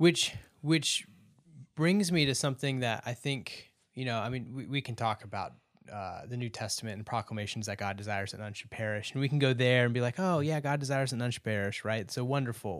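A man in a Southern US accent talks at a medium pitch in a very clean recording with a silent background. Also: ordinary pitch variation. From US Deep South. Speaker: podcast host. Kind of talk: casual interview chat.

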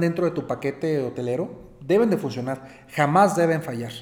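Using an ordinary speaking voice, a man speaks at a moderate pace in a fairly high pitch with lively intonation. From Mexico, Michoacán. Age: 30s. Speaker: hotel manager. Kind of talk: casual interview, storytelling. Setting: studio.

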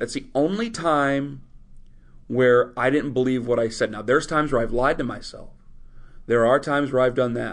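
Over a quiet background, a man with an ordinary speaking voice talks at a moderate pace and medium pitch with ordinary pitch variation. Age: 30s. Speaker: sports radio host. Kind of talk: casual chat.

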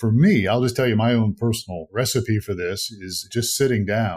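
A man with a normal speaking voice talks at a fairly quick pace in a medium pitch. The recording is very clean with a silent background. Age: 60s. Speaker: pastor and church streaming provider. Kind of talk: casual chat.

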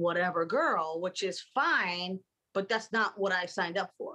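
An ordinary speaking voice from a woman with an American accent, at medium pitch, moderate pace and ordinary pitch variation. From Baltimore, Maryland, US. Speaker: actor. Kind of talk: casual interview chat.

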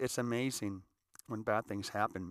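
A man's fairly low voice at a moderate pace, in a very clean recording with a silent background and a dry, close sound with no echo. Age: 60s. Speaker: podcast host and author. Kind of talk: casual monologue. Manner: halting.

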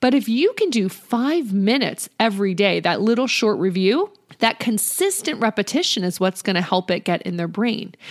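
In a normal speaking voice, the speaker keeps a moderate pace with hardly any pauses and lively intonation. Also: woman, fairly high pitch for a woman. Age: 40s. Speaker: homeschool podcast host. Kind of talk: casual monologue, tutorial. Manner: conversational, warm.

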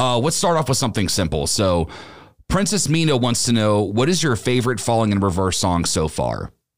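Man at a medium pitch, very wide pitch swings and very even loudness, fairly quick pace, in a very clean recording with a silent background. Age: 30s. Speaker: podcast host. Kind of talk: casual chat. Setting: studio.

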